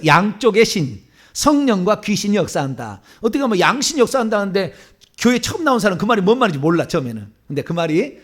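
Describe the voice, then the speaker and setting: Middle-aged pastor from seoul preaching, kinda husky, pitch jumps all over, keeps throwing questions at the crowd. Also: male voice. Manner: animated, rhetorical questions to the congregation, chuckling asides. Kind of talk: sermon. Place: church sanctuary.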